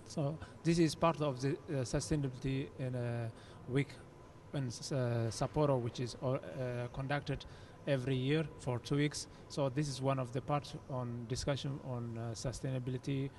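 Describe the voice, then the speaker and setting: A man's voice: mid-range voice, fairly even intonation, normal speed, few pauses, darkish tone, slight background noise. A young man from Eritrea, opening a student panel as host with many fillers and restarts. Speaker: forum host. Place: university forum room.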